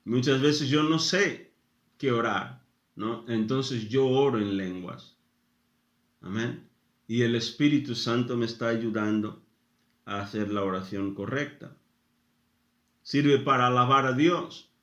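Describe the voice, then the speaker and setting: Slow, deliberate preacher in an echoey room. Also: male voice, medium pitch, a bit bright, muffled recording. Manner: slow, deliberate, pausing after short phrases. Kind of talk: sermon teaching.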